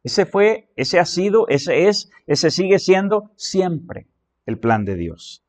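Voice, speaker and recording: Guy preaching a sermon, counts off points, repeats stuff to drive it home, reads verses out loud. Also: sits high, big pitch swings, takes it slowly. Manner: expository preaching, reads scripture aloud with rising emphasis. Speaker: pastor.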